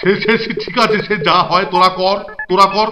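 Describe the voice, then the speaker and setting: A man acts out a middle-aged cartoon hostel superintendent. He is flustered and gullible, stammers and repeats his words in bluster, over clear background music. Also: high-pitched, flat delivery, brisk, lightly acted. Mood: overwhelmed. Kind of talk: exaggerated children's cartoon acting.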